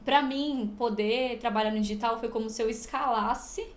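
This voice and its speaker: A woman's voice: on the high side, steady tone, normal speed, reverberant. A Brazilian woman talking as a podcast guest. She rambles happily and acts out other people's remarks as she tells a story. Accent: Brazilian Portuguese. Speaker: guest, medical student and influencer. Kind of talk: casual podcast chat.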